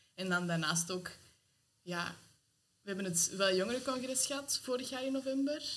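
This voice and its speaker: A woman speaks with a Flemish accent, and the room echo is audible. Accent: Flemish Dutch. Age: 20s. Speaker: social work student and youth volunteer. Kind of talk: casual explanatory interview.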